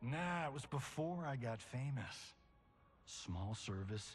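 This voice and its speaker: A man's put-on character voice at medium pitch, fairly slow, with lively intonation and clear background noise. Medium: video game. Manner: casual, surfer slang.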